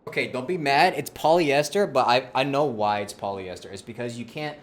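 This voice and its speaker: A man chatting casually on a livestream in an informal, halting, conversational way. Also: mid-range voice.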